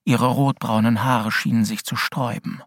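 A man's voice: medium pitch, fairly even intonation, moderate pace, no room sound, clean studio sound. A man reading an audiobook aloud as narrator.

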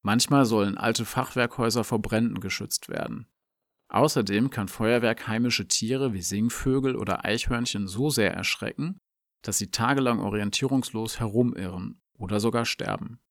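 A man presenting a language lesson, explaining in a calm, clear scripted dialogue. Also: lowish voice, moderate pace, dry recording, studio quality.

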